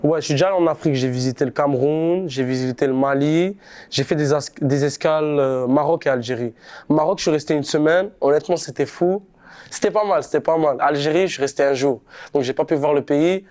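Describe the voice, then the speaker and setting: A laid-back young rapper from Montreal, Canada, chats casually in an interview, using plenty of slang. His voice is on the high side and darkish in tone, and he talks a little fast.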